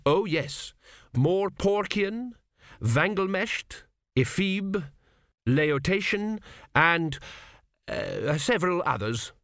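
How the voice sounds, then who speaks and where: An earnest, flustered young king, as a man puts him on, his voice lifted a little above the narrator's. He talks eagerly and a touch too loud. Dry studio sound. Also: high-pitched, very animated, drawn-out words, pauses often, dry recording, voice pushed up, exaggerated voice. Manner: eager, a little raised and nervous.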